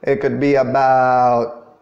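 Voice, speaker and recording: A man in his thirties giving an online English grammar lesson in a deliberate, instructional manner, stressing key words. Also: mid-range voice, flat delivery, dull audio. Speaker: English teacher. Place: small indoor room.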